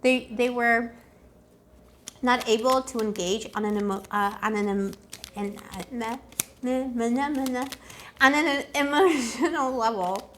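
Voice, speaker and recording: A woman with a fairly high voice hosts a casual love tarot reading. She talks straight to her viewers in a playful, rambling way, full of pet names and asides. Her voice sounds a little worn, as if it is starting to go. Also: a little slow, slight background noise. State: slightly losing her voice. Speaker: tarot reader and channel host.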